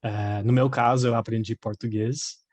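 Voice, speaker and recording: A man's voice: fairly low pitch, fairly even intonation, normal speed, darkish tone, dry recording. A man who grew up speaking English, talking reflectively in a casual podcast chat, restarting sentences as he searches for words. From raised outside Brazil, mother Brazilian. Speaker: podcast co-host.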